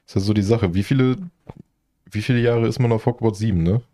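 A man's voice: fairly low pitch, fast, warm tone. A man in casual gaming chat, rambling and thinking aloud with fillers.

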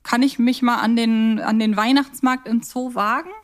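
A woman's voice: on the high side, steady tone, normal speed. A woman co-hosting a podcast, chatting casually in a reflective, questioning way. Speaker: podcast co-host. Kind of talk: casual podcast chat about audio dramas.

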